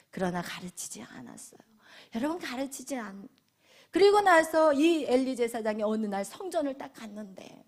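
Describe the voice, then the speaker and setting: A middle-aged woman pastor from South Korea preaching a sermon. She swings from loud lines to whispers, acts out quoted voices and keeps asking the congregation questions. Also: high voice.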